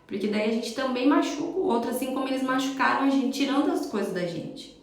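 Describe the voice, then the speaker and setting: A woman's voice: high voice, expressive, fast talker. A woman with a Brazilian accent, a parenting educator talking conversationally to her viewers and often checking in with tag questions. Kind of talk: live-streamed advice talk. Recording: echoey room.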